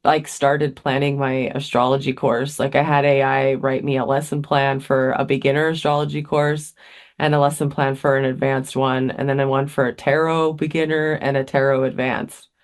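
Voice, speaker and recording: A woman's voice: extremely low pitch, little pitch movement, normal speed. A woman co-hosting a podcast in casual chat, laughing often and swearing freely. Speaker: podcast co-host.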